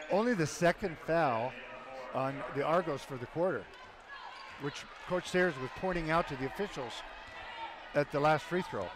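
A man with a fairly high pitch and ordinary pitch variation speaks with long, frequent pauses. The sound is dry with no echo, and there is noticeable background noise. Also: moderate pace. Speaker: color commentator, former coach. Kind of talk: radio color analysis, conversational. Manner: measured, analytical. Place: hall.

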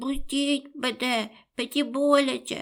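Speaking at a fairly slow pace, a woman puts on a high-pitched, nasal character voice. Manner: pleading.

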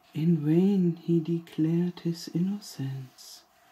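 A soft-spoken woman with a fairly low pitch, a calm, gentle tone and a very slow pace. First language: German. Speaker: ASMR storyteller reading fairy tales. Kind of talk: soft bedtime story reading aloud, ASMR. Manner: slow, calm, gentle storytelling pace.

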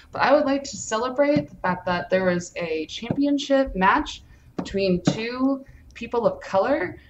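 Over noticeable background noise, a woman speaks at a fairly slow pace. Her fairly high pitch swings very widely. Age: 20s. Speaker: model and adult performer. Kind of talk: casual chat.

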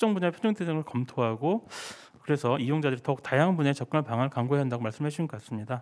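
A man at a fairly high pitch with ordinary pitch variation, over a quiet background. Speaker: panel moderator. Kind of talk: panel moderation. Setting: panel discussion, in-person venue with livestream. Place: hall. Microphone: handheld.

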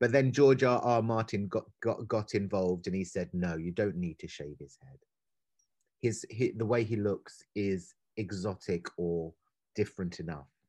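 A man with a British accent speaks at a moderate pace and fairly low pitch, with ordinary pitch variation and big swings in loudness. The sound is dry with no echo against a quiet background. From England. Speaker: actor. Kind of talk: interview Q&A. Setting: video call. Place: home room. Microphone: video call.

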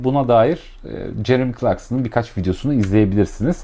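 This man has a dark, mellow tone. He talks fairly quickly. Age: 30s. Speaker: YouTuber, die-cast model car collector; YouTuber. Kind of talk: video review. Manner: casual, conversational. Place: home room.

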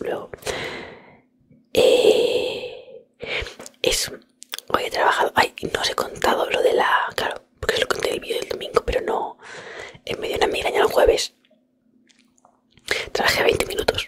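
Soft-spoken and relaxed, a man talks at an extremely high pitch in a monotone, flat delivery. His pace is moderate, with long, frequent pauses. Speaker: ASMR streamer. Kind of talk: asmr ramble, whispered talk to the microphone. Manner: soft-spoken, relaxed, rambling. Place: home room. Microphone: studio mic.

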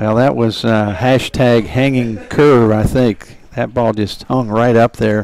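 A man talks at a fairly slow pace in a monotone, flat way with hardly any pauses. The sound is dry with no echo, with light background noise. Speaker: color analyst. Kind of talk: live sports commentary. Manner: conversational, explanatory. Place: booth.

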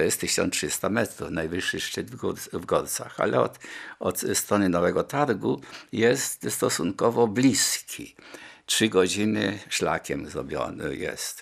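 Against a quiet background, a man is speaking. His pace is very slow. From Poland. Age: 90s. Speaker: priest and theology professor; priest, professor recalling memories. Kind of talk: interview reminiscence. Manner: halting. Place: home room.

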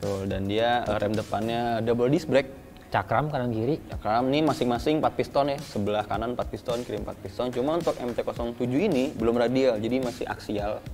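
Against clear music in the background, a man speaks with hardly any pauses and ordinary pitch variation. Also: fairly quick pace. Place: hall.

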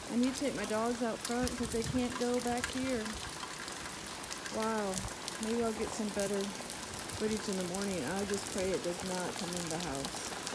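The speech moves at a moderate pace with long, frequent pauses. Loud background noise fills the recording. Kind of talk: casual vlog chat. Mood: worried, amused at times. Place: garden. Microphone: phone near.

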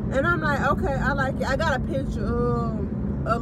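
Loud background noise surrounds a dry sound with no echo. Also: woman. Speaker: vlogger. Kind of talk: casual vlog chat. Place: car. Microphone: phone near.

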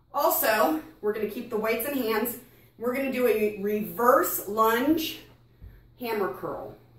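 Audible room echo follows a woman speaking at a fairly slow pace. Her fairly high pitch moves with lively intonation. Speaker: fitness instructor. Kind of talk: demonstration-style workout tutorial, talking viewers through each exercise. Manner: brisk and clear, rhythmic counting cues. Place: home room. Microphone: camera far.

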